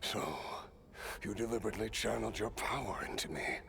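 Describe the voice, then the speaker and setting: A man playing a grave, bitter, weakened villain in a video game, with a breathy, gravelly voice. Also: lowish voice, a little fast, pushed and bright, slight background noise. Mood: strained, bitter awe. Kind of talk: dramatic video game acting.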